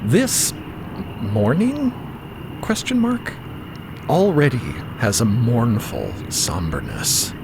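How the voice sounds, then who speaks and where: Guy narrating a drama, wry n slow, voice swings up and down a lot, rumbly background. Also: huge pitch swings, gravelly, background noise. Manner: wry, conversational asides. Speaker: podcast narrator. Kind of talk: dramatic scripted storytelling narration.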